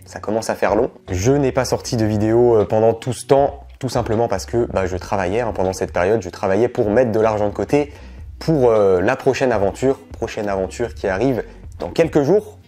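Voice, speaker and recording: A man's voice: on the low side, fairly quick, dark tone, soft background music. A young man with a cold talks casually to camera, rambling with lots of fillers. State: stuffy, has a cold. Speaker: travel vlogger.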